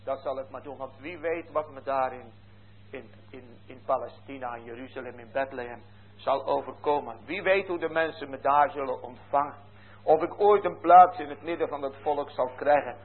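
A man voicing a young widowed woman who muses quietly and hesitantly, stumbling over her words. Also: mid-range voice, moderate pace, lightly acted. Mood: musing. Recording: tinny phone-like lo-fi recording.

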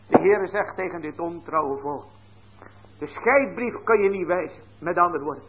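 Man preaching over a tinny line. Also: on the high side. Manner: swings from quiet to raised emphatic appeals. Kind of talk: sermon. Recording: tinny phone-like church recording.

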